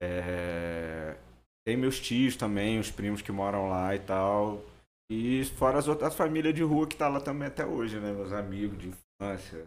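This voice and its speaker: This man has an ordinary speaking voice at a fairly low pitch. His intonation is lively. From Volta Redonda, Rio de Janeiro state, Brazil. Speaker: rap producer / DJ. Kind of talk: casual interview.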